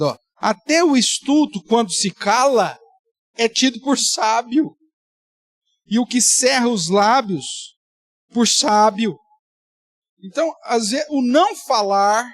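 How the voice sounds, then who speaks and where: A man's voice: sits high, a bit bright, no room sound, clean studio sound. Man pastor. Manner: conversational, with playful exaggeration. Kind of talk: Bible study teaching. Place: church.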